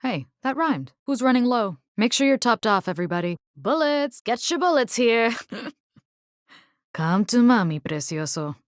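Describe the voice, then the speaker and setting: Brash Latina vampire-fighting engineer, dry close sound. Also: female voice, fairly high pitch, big pitch swings, measured pace, no echo. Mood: upbeat, teasing. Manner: brash, teasing, slangy with Spanish interjections. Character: tough, wisecracking young female robotics engineer fighting vampires. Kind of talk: video game character voice lines.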